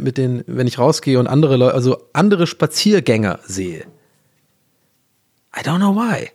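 A man's voice: a little high, a little mellow. A man hosting a casual solo podcast, rambling through his thoughts with self-mocking laughs. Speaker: podcast host.

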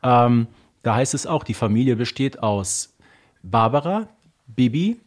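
A man's voice: medium pitch, animated, a little slow. Emphatic man chatting on a podcast. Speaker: podcast co-host. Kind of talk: casual, opinionated podcast chat.

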